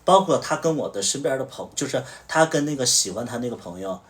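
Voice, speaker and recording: Here the male livestream host sounds expressive and fast at a medium pitch, picked up by a distant mic. He narrates a story casually, performing everyone's words in reported dialogue.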